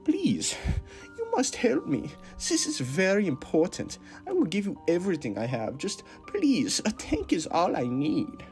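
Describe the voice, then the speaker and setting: A man's voice: high-pitched, wildly swooping pitch, a little slow, a little mellow, faint music behind, voice pushed up, heavily acted. A man voicing a desperate Austrian man who begs and wheedles in a strained voice with an Austrian accent, in a comic monologue. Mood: pleading. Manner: begging, salesman-like wheedling. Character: desperate, pleading Austrian man begging for a tank.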